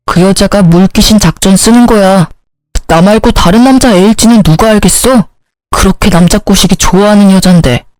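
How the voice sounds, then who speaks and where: A woman's voice: mid-range voice, a little mellow, dry recording, close to an everyday voice. A woman voicing a sly, self-excusing cheating husband who turns from pleading to blaming. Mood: evasive. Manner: pleading, then scornful and blaming.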